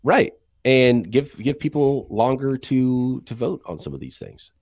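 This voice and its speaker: A man co-hosting a sports podcast, chatting casually and sharing strong opinions with quick asides. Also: medium pitch, sing-song, darkish tone, no room sound. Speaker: podcast co-host.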